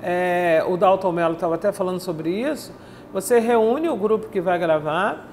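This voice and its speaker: A woman's voice: fairly low pitch, a little mellow, slight background noise. An older woman interviewing a guest in a TV studio, recounting anecdotes at length with repeated phrases, recorded on a lapel mic. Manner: anecdotal, drawn-out storytelling with repeats. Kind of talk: casual studio interview chat. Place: bright indoor TV studio, seated.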